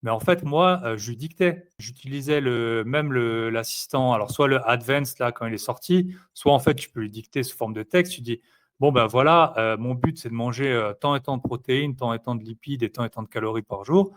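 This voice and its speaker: A man speaks in an easygoing, conversational way, pausing often on fillers as he thinks out loud. His delivery is loose and unhurried, like talking with a friend. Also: mid-range voice. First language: French. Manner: rambling, filler-heavy, relaxed. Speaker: interviewee, investor. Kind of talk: casual conversational chat.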